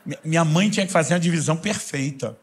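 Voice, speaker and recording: A man with a Brazilian Portuguese accent, preaching a storytelling sermon that swings between loud bursts and hushed intensity. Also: a little high, quick pace. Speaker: pastor.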